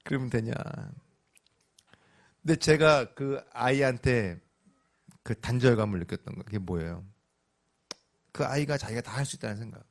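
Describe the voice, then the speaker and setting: A middle-aged man preaching a sermon, telling stories in a lively, animated way. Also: medium pitch, normal speed, long pauses. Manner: lively storytelling, animated voices. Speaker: pastor.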